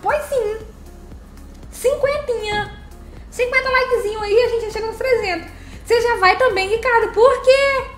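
A woman with a very high, brisk voice chats casually on a live stream, reading the chat and playfully teasing her viewers. The room sounds echoey, with faint music in the background.

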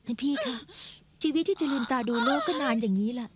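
A woman voicing a gentle first wife who soothes and pleads with her husband, in a dubbed period drama. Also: high-pitched, big pitch swings, quick pace, very noisy. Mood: soothing.

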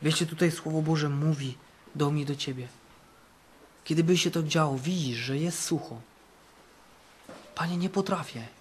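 A male camp preacher in full sermon mode, his fairly high voice rising for bold declarations and dropping for quiet, earnest passages. He drives points home by repeating key phrases. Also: unhurried, pauses often, a little hiss or hum. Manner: fervent, repeats phrases for emphasis, swings between loud and hushed. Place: camp meeting.

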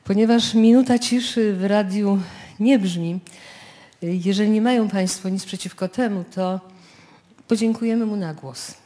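A woman's voice: medium pitch, unhurried, mellow, a little hiss or hum. A woman radio host introducing a live radio play from the stage to a studio audience.

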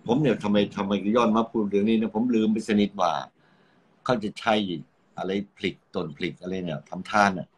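Low-voiced Rayong radio host. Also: male voice, brisk, breathy edge, rough recording. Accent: Rayong Thai. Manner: musing, reads out listener comments. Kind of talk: casual radio chat.

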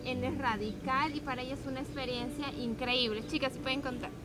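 A woman's voice: sits high, fairly even intonation, fairly quick, heavy background noise. A woman in her twenties from Bolivia, giving an earnest testimony about her prayer group, sitting with friends on a park lawn and filmed by a distant camera. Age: 20s. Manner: earnest, heartfelt. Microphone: far camera. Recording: loud music underneath.

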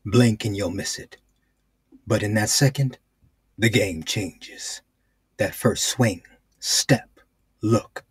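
A man's voice: lowish voice, slow, long pauses, slightly rough, no echo. A man reading commercial voice-over scripts in a polished announcer delivery. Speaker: voice-over artist.

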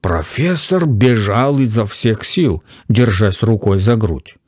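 A man's voice: on the low side, expressive, slow pace, a little mellow, dry recording, clean studio sound. A man narrating a crime story expressively and dramatically, with ad-libbed asides. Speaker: audiobook narrator.

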